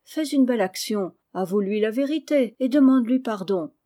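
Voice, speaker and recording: A woman reading aloud voices a gentle, kind blind young girl who speaks softly and pleads patiently. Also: a little high, lively intonation, normal speed, lightly acted.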